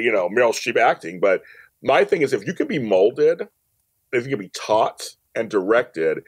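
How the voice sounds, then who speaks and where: A man talking casually as an interview guest, emphatic, often repeating phrases and acting out quotes. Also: mid-range voice. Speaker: podcast guest, audio drama producer and director.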